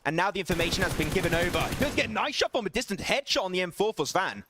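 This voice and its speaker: Man, esports play-by-play, excitable, high voice, rapid delivery. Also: background noise. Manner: excitable, laughs often, apologetic banter with chat. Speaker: esports caster. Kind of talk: solo esports play-by-play commentary.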